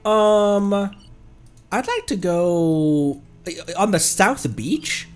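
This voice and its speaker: A man's voice: sits high, sing-song, very slow. A man giving casual, playful commentary on a game livestream. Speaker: streamer. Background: game music.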